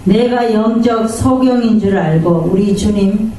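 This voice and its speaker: A woman's voice: medium pitch, a little slow, dark tone. Woman pastor delivering a sermon in a church, recorded from afar with faint room hiss. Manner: preaching with call-and-response amens, acting out quoted voices. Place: church sanctuary. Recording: echoey church hall from far off.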